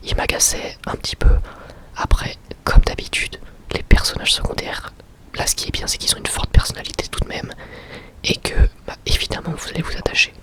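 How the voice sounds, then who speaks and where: A young adult man gives an informal, slangy ASMR review in a breathy, unvoiced whisper. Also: fairly quick. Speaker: ASMR creator and anime reviewer.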